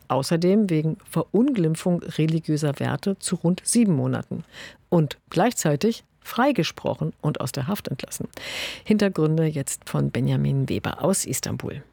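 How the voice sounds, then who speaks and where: A man presenting radio news in a steady, formal announcing manner. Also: a little high, vocal fry, slightly rough, dry recording.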